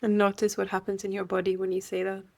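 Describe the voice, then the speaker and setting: Female meditation guide, medium pitch, gentle and unhurried delivery with generous pauses. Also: monotone.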